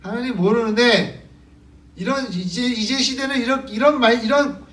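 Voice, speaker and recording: A man's voice: extremely high pitch, moderate pace, a bit bright, pitched above the performer's own voice. A man acting out a defiant modern believer who whines back at God and waves off old teaching. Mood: dismissive. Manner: dismissive, whiny talking back. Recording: echoey church hall from far off.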